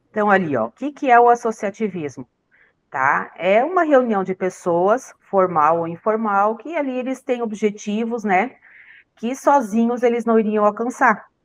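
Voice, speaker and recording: The speaker's intonation is lively, and the background is quiet. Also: woman, fairly high pitch for a woman, fairly slow pace. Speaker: teacher. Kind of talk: online lesson. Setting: video call from an open place. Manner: soft-spoken.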